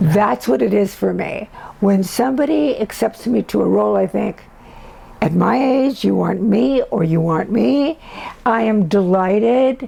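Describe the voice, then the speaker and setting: A woman with an American accent at very even loudness, over noticeable background noise. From US West Coast (Los Angeles). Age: 70s. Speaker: collage artist and model. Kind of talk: interview.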